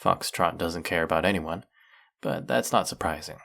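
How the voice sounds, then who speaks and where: A man acting in an intimate audio roleplay as a lonely, courteous, smitten snake-headed villain, soft-spoken and flirtatious with a creaky voice. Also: deep voice, normal speed, heavily acted. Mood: wistful, confiding.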